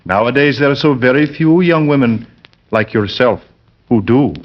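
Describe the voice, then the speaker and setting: Male actor voicing a menacing pious lodger, mid-pitched, for 1940s radio drama, muffled vintage sound. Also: animated, close to an everyday voice. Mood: sanctimonious. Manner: slow, sanctimonious, menacing. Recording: dull vintage radio recording.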